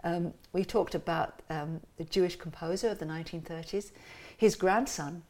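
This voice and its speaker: Woman, lowish voice, animated storytelling guest. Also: normal speed. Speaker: interview guest, musician and cartoonist. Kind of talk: casual conversational interview.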